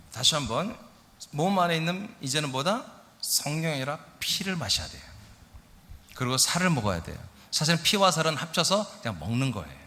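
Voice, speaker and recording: A middle-aged male pastor preaching a lively sermon, often asking his congregation questions. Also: on the high side. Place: church sanctuary. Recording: church hall reverb.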